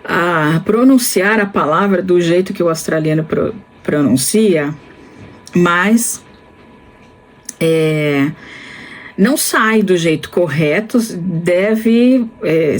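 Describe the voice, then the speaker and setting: Slow-speaking Brazilian woman in her fifties. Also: on the low side. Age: 50s. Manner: slow and deliberate, with many pauses and restarts. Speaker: vlogger. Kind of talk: casual reflective talk to camera.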